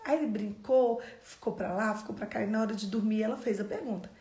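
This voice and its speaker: A woman's voice: mid-range voice, fast, warm tone, echoey room. A woman preaching a sermon with storytelling, asking her listeners questions and repeating key phrases. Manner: asks the audience many questions.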